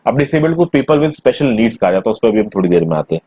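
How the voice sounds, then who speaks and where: A man's voice: mid-range voice, very animated, fast, warm tone, slightly rough, dry recording. Man explaining a textbook lesson. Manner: conversational, mixes Hindi with English terms. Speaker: teacher.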